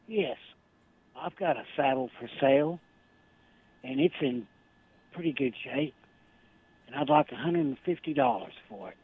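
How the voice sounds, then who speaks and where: A man's voice: mid-range voice, unhurried, pauses often, slightly rough. A man calling in over the phone to sell an item, brief and polite. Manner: polite, brief, says sir. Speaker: caller. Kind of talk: call-in radio listing. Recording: narrow tinny phone line.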